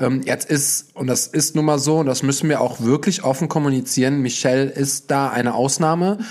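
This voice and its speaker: An ordinary speaking voice from a man with a fairly high pitch and fairly even intonation. He keeps a moderate pace and very even loudness, with hardly any pauses. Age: 30s. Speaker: podcast host. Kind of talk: casual chat.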